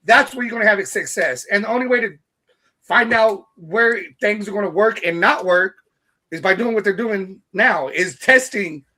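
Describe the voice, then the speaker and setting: A man's voice: sits high, moderate pace, sharp tone. A man co-hosting a casual sports chat, talking in a rambling way with repeated words.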